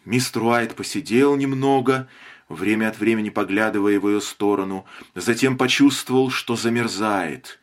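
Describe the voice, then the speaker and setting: Man reading a dark tale aloud. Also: fairly low pitch, normal speed. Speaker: narrator. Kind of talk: dramatic audiobook reading.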